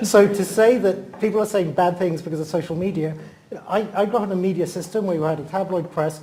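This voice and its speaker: Here a man speaks with a British accent. His pitch is high and his intonation fairly even. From Britain. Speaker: panelist. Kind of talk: panel discussion.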